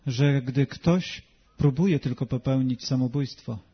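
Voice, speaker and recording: Quick husky male sermon interpreter. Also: mid-range voice. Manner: quick, even interpreting, slowing for scripture readings. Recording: dull lo-fi sound.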